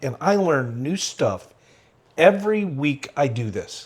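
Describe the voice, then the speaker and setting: A fairly high-pitched man with lively intonation at a very slow pace, in a very clean recording with a silent background. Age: 60s. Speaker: model aircraft builder. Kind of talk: casual chat.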